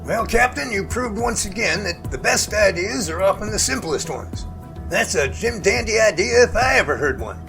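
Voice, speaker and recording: Genial middle-aged professor male actor, fairly high forceful voice, folksy and courteous, music underneath. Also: animated, normal speed, gravelly. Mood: approving. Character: genial middle-aged professor running a Bigfoot research center. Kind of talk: amateur audio drama dialogue.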